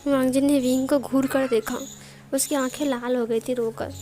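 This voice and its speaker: A woman's voice: high voice, fairly even intonation, moderate pace, warm tone, faint music behind. A woman narrating a fan fiction romance, voicing every character herself in a casual, conversational way. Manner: conversational storytelling with frequent restarts. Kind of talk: reading a romance story aloud, voicing all characters.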